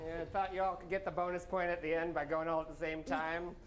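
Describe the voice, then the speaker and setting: A man's voice: a little high, little pitch movement, brisk, faint music behind. A man hosting a live improv comedy show on a small theater stage, chatty and upbeat, with frequent filler words.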